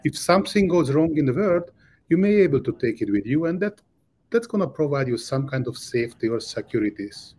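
A man's voice: fairly high pitch, sing-song, a little fast, a little mellow, slightly rough. A man from Hungary with a Hungarian accent, an earnest startup founder answering interview questions in slightly non-native English.

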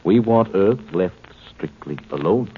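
In 1950s radio drama acting, a deep-voiced male plays a coolly superior alien commander posing as a human man. He speaks with lively intonation, formal and condescending, giving measured explanations. The 1950s radio recording sounds tinny and noisy.

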